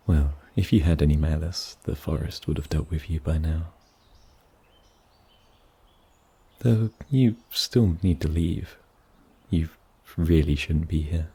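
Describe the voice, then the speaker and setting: Guy doing a kindly forest mage, fantasy asmr, very raspy n gravelly, soft and hesitant. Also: extremely low pitch, unhurried, full character voice. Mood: puzzled, cautious. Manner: soft-spoken, hesitant, gently reassuring. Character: gentle, wary, kindly male forest mage. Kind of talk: fantasy ASMR audio roleplay.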